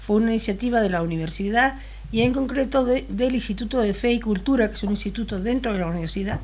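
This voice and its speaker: A woman in her sixties, born in Spain, talking as an interview guest in a relaxed, thoughtful way and pausing to search for her words. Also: on the high side.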